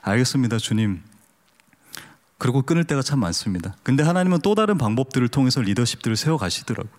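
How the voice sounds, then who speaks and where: A man's voice: mid-range voice, very animated, very fast. A man pastor preaching a sermon with humor, questioning the congregation and asking them to raise their hands. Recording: long hall reverb.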